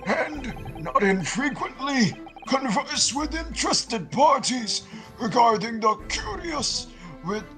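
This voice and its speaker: Man putting on a fussy old shopkeeper voice, pompous, long-winded, raised pitch, game music behind. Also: animated, slow pace, heavily acted, poor audio. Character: pompous elderly male antique dealer.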